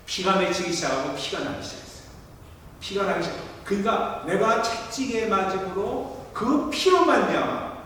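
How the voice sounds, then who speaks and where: A middle-aged man preaching a sermon, telling a story and acting out its voices with sudden loud peaks. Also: high voice, slight background noise. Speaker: pastor. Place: large church sanctuary. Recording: echoey hall from far off.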